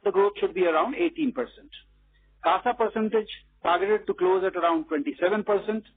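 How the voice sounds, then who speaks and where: A man with an Indian accent formally reading out a scripted financial presentation as a company executive, in measured fashion. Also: high-pitched, creaky, breathy edge. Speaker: bank executive presenting quarterly results. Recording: muffled lo-fi conference call audio.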